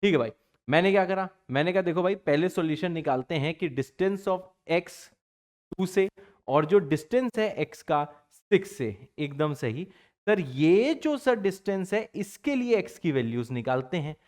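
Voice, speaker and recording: Man, exam-prep math teacher; high-ish, very animated delivery; plays both sides of a classroom dialogue himself. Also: normal speed. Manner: plays both teacher and student in his own voice; chatty, fond of catchphrases like "bachcha party".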